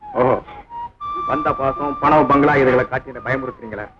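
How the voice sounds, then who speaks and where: An actor playing a defiant young heir who gives up wealth for love, speaking in an impassioned, declaiming way in an old film. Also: male voice, mid-range voice, wildly swooping pitch, moderate pace, fairly bright tone. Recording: dull old film soundtrack with music.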